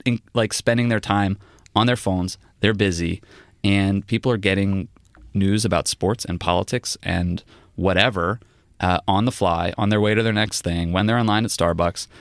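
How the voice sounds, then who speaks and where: Low-voiced man rambling with "like"s. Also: dry recording, studio quality. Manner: rambling, many "like" fillers, animated pitch jumps. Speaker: political journalist guest. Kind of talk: casual podcast chat.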